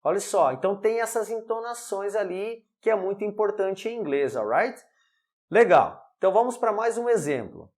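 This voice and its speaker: Man teaching English, slow clear examples. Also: sits high, lively intonation, a little mellow. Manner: explains step by step, checks in with "ok?" and "alright?"; pronounces English examples slowly. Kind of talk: online English lesson.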